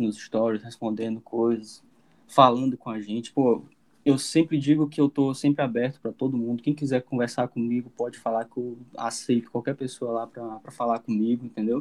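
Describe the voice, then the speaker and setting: With fairly even intonation, a man speaks at a medium pitch and a moderate pace. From Maranhão, Brazil. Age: 20s. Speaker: digital illustrator. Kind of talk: casual chat.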